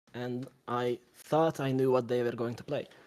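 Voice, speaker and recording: In a Hungarian accent, a man speaks at a moderate pace and medium pitch with a dark, mellow tone. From Slovakia, Hungarian minority. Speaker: card game national champion. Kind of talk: interview. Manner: halting.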